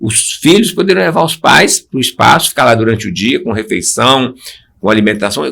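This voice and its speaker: Here a man talks at a fairly quick pace in a bright, sharp tone. His voice shows vocal fry and very wide pitch swings. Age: 70s. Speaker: state politician. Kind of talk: interview.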